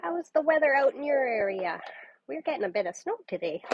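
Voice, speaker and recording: A woman's voice: high-pitched, sing-song, brisk, dull audio, noisy background. Nasal woman with a cold. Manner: chatty, greets viewers by name. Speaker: papercrafting demonstrator. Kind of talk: casual livestream chat. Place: home craft table.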